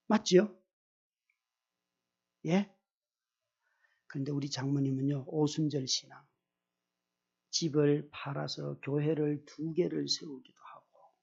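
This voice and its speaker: A middle-aged male pastor preaching a sermon with personal testimony, telling it in an animated way, acting out his own prayers and putting questions to the congregation. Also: fairly high pitch, vocal fry, husky. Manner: animated storyteller, acts out quoted prayers, asks the congregation questions. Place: church service. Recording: dull lo-fi recording.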